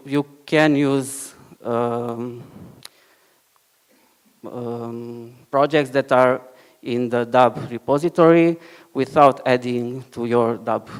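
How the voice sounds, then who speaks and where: A man giving a short conference talk and live software demo, often halting and restarting phrases. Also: medium pitch. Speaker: conference speaker. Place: conference hall.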